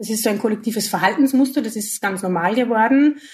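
Fairly high and somewhat breathy, a woman's voice moves at a fairly quick pace against a quiet background. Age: 30s. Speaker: freelance journalist and copywriter. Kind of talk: interview.

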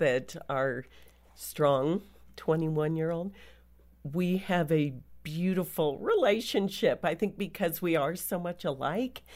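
A woman speaks at a fairly slow pace in an ordinary speaking voice, her pitch fairly low with ordinary pitch variation. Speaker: host's wife, studio guest.

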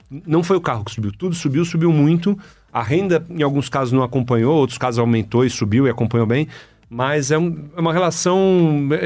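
Speaking in a normal speaking voice, a man with a fairly high pitch moves at a fairly quick pace with ordinary pitch variation. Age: 40s. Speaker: automotive executive. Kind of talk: casual interview.

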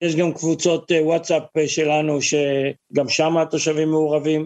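This man speaks in a monotone, flat intonation at a fairly high pitch. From Israel, Kiryat Motzkin. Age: 70s. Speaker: mayor. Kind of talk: interview.

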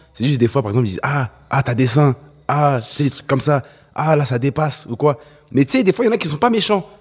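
Talking at a very fast pace, a man sounds somewhat breathy, with lively intonation. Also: fairly high pitch for a man. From France, Paris suburbs (Cergy). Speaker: content creator. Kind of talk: casual interview chat.

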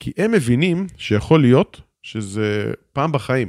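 On a very clean recording with a silent background and a dry, close sound with no echo, a man speaks at medium pitch with lively intonation. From northern Israel, Nazareth Illit. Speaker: sports reporter. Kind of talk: casual chat.

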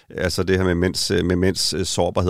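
A man's very deep, low voice at a moderate pace, on a very clean recording with a silent background. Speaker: anthropologist and gender researcher. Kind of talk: interview. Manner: halting, many fillers.

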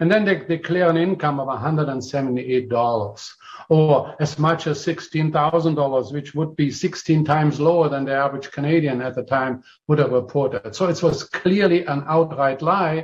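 A man speaks at a fairly high pitch and a moderate pace, with ordinary pitch variation. His voice is somewhat breathy. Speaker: real estate analyst. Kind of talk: interview.

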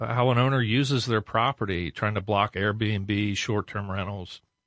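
An ordinary speaking voice from a man with an American accent, fairly low in pitch, at a moderate pace, dry and close with no echo against a quiet background. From US Midwest, Westerville, Ohio. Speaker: real estate brokerage principal. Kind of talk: radio interview. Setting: studio.

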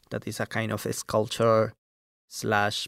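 A man with a Spanish accent, very slow and monotone with flat intonation, on a very clean recording with a silent background and a dry, close sound with no echo. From Colombia, Santander (Piedecuesta). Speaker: artist. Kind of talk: interview. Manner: halting.

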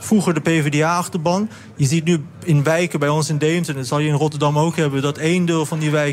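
Moderately paced with fairly even intonation, this is an unremarkable speaking voice. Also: man, fairly high pitch for a man. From Netherlands. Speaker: writer. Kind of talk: radio talk show chat.

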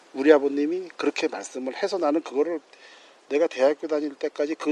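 A man speaks at a fairly quick pace, the sound dry and close with no echo. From Yanggu, Gangwon Province, South Korea. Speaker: son of a wartime prison camp guard. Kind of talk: interview testimony. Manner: halting.

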